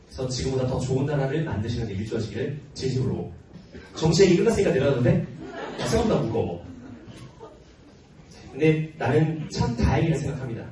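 Guy in his 40s teaching, kinda high lively voice, jokey, roomy distant classroom sound. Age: early forties. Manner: playful, joking, earnest, often laughing. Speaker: history teacher at a cram school. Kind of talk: informal question-and-answer with students. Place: large classroom with students. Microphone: handheld microphone, filmed by tripod camera at back.

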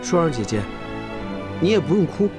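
A man's voice: a little high, very animated, moderate pace, over music. A young actor playing a spoiled, stubborn young nobleman in a period TV drama. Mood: petulant. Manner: petulant, defiant.

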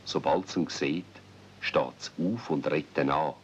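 Very deep-voiced Swiss male storyteller. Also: steady tone, moderate pace. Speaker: narrator. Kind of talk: radio play storytelling narration. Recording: dull, faintly noisy old cassette recording.

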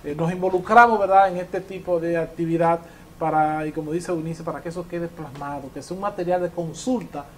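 High-voiced male host, Dominican accent. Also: fairly even intonation, a little fast, a little hiss or hum. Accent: Dominican Caribbean Spanish. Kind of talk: conversational hosting. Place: indoor TV studio.

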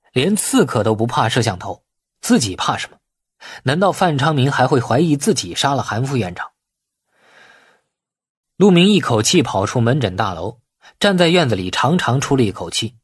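A man narrating a novel as an audiobook in an expressive, dramatic storytelling manner. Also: medium pitch, breathy edge, no echo, clean studio sound.

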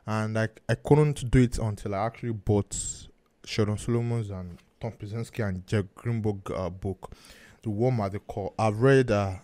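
A man with a Nigerian accent hosting a podcast interview, speaking haltingly with many restarts and fillers. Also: on the low side, warm tone. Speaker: podcast host.

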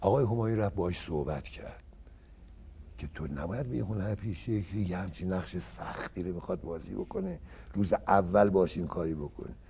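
A man's voice: sits low, vocal fry, a little hiss or hum. A man in his seventies from Iran, a guest actor recalling old stories in a casual interview and acting out what others said. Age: 70s. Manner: animated storyteller who acts out others' words.

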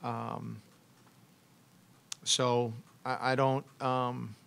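Gravelly yet clear and resonant, a bit bright, with a mid-range pitch that barely moves, this middle-aged man coaches basketball as head coach. Seated at a table with a logo backdrop behind him, he fields postgame press questions into a stand-mounted mic, halting thoughtfully through many restarts and ums.

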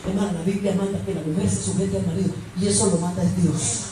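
A woman preacher delivering an emphatic, humorous sermon, swinging between hushed asides and shouts. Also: mid-range voice, steady tone, fast talker. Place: church with congregation. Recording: echoey hall, distant mic. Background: congregation laughter and noise.

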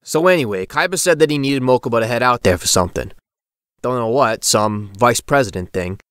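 An actor playing a haunted, restless young man who recounts events in a halting, slangy way for an audio drama. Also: medium pitch, a bit bright, smooth, no echo, clean studio sound, lightly acted. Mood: restless, rueful. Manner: colloquial, halting, informal.

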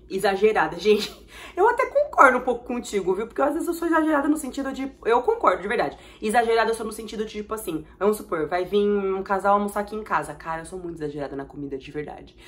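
A young woman with a Brazilian Portuguese accent, chatting expressively while reacting to viewer comments in a vlog, with sudden excited bursts. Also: medium pitch, fast talker. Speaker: vlogger.

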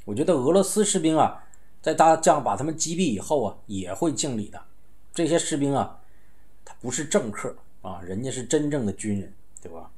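A man's voice: mid-range voice, a little mellow. A middle-aged man giving informal political commentary in a wry, conversational manner, with rhetorical questions and sighs. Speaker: host of a political commentary show. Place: small indoor room, seated.

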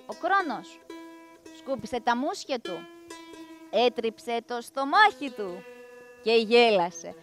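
A woman's voice: on the high side, very animated, pauses often, fairly bright tone. A woman performing a myth as a live storyteller, dramatic and speaking straight to her audience. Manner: dramatic, addresses the audience directly. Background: live plucked string music.

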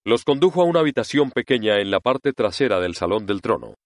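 A male audiobook narrator reading a story expressively, his pitch rising and falling widely. He sits close to the mic, in a dry, dead recording with no room sound. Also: very animated, quick pace, dry recording.

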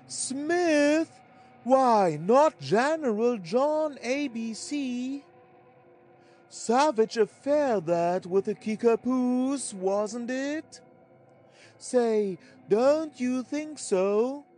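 A woman playing an affected gentleman who drawls out his syllables in a comic period story. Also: a little high, expressive, drawn-out words, faint music behind, heavily acted. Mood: languid, affected. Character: languid gentleman friend, affected society drawler.

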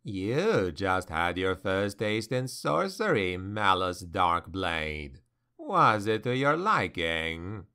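A man voicing a sly, amused ancient male demon who speaks slowly and knowingly. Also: sits low, very animated, bright, forceful tone, smooth, pitched below the performer's own voice, full character voice. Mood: mocking. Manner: slow, knowing, mocking.

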